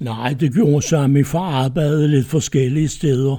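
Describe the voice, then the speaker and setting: The voice belongs to a man and has a dark, mellow tone. Some breathiness comes through. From Bornholm, Denmark (Ibsker). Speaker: elderly man telling his life story. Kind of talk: life-story interview.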